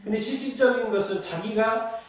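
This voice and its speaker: A man leads a Bible study as pastor, with a fairly high voice that keeps turning statements into questions for his listeners. He slows right down when he reads scripture aloud. The sound is distant and washed in the heavy echo of a church sanctuary. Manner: teaching by quizzing the congregation and repeating answers; reads scripture aloud slowly together with the congregation. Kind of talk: Wednesday Bible study sermon. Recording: very echoey hall, mic far off.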